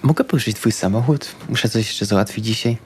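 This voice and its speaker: A man's voice: fairly low pitch, fairly quick, slightly rough. A man playing a tabletop roleplaying game, speaking casual in-character dialogue.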